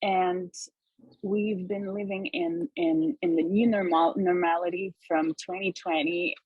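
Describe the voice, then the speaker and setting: A woman from Ukraine giving reflective comments on a video call, haltingly searching for her words. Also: lowish voice, animated, breathy edge, dry recording, phone-quality sound. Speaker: discussion participant.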